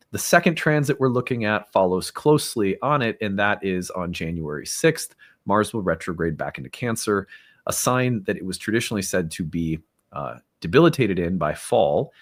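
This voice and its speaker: Guy hosting his show, kinda low voice, earnest upbeat pitch, dry close mic. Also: fairly bright tone, no room sound. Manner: earnest and upbeat, with some fillers. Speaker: host. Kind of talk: casual talk and fundraising appeal.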